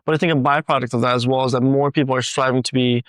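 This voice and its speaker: A young man from the Netherlands, a student guest in a casual interview, talking quickly with many fillers. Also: medium pitch, steady tone, no room sound, clean studio sound. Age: young adult.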